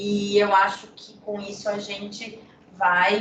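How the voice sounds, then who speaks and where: A woman with a slight Minas Gerais accent speaks very slowly at a medium pitch. Audible room echo surrounds her voice. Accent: slight Minas Gerais (mineiro) tinge. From São Paulo state, Brazil. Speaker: pharmacist and trichology lecturer. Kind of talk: lecture. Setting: lecture hall with audience, livestreamed.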